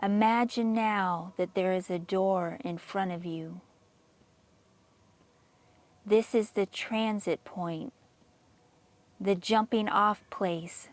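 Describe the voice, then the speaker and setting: A woman reading a scripted guided meditation in a measured, soothing manner with long pauses. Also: fairly low pitch.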